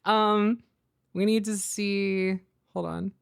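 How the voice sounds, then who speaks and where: A young woman chatting casually on a livestream, excitable, giggly and given to swearing. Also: mid-range voice, slow pace, vocal fry, clear, resonant tone. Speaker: streamer.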